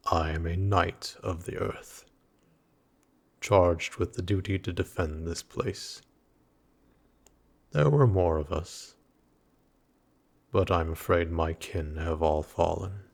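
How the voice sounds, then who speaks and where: Man acting as ancient knight of earth, deep husky voice, slow and grave, formal archaic speech, audio drama guardian. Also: full character voice. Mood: mournful, solemn. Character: last earthen knight, grim weary guardian of a goddess.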